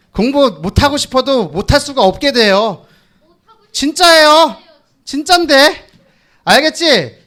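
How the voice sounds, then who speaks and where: A man's voice: very high-pitched, fairly bright tone. A young man leading a children's sermon, coaxing the kids to repeat lines after him in call and response. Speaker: children's pastor.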